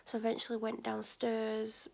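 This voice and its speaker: A woman's voice: a little high, completely flat delivery, moderate pace, creaky. A woman vlogging while sick and exhausted, with a sore throat, rambling tiredly with many fillers. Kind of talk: casual vlog chat. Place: bedroom at night, then out by a shop.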